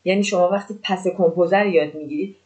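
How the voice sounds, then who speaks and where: A woman's voice: on the low side, a little mellow. Woman, French teacher, spells letters out, repeats for emphasis, lesson style. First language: Persian. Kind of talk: grammar lesson.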